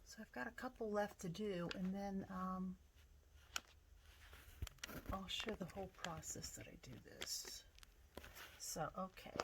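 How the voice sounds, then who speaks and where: A woman pottery artist giving a casual demonstration, chatty and relaxed, thinking aloud with plenty of fillers as she works. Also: medium pitch, unhurried, pauses often, background noise. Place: home pottery studio.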